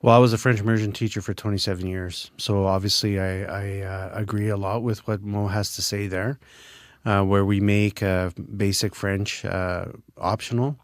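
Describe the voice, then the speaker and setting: Low, flat-voiced man from Manitoba. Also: dry recording. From Manitoba, Canada. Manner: earnest, halting, with many filler sounds. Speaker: guest, former French immersion teacher. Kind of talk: radio interview answers.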